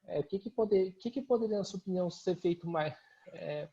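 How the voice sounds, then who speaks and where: Podcast host guy, highish voice, stumbles through his questions, dull muffled audio. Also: a little fast, warm tone. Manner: hesitant, rambling questions. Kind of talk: interview questions.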